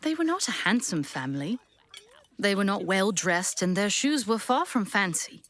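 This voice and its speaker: A woman narrating a classic story for an audio drama in an expressive, measured storybook style. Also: medium pitch.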